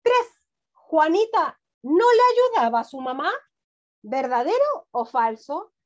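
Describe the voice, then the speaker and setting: Woman, teacher, high voice, encouraging questions, dull lo-fi video call audio. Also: very animated, takes it slowly. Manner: encouraging, asks many questions. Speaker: primary school teacher. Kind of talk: online class for young children.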